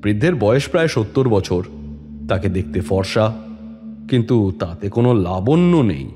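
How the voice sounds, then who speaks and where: Police inspector, deep, dark-toned, calm authority, measured audio drama storytelling, reverberant, music underneath. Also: male voice. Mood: grave narrating. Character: calm, authoritative male police inspector telling his case. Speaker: story reader and lead actor. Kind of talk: dramatised detective story narration. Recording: long reverb, music bed behind.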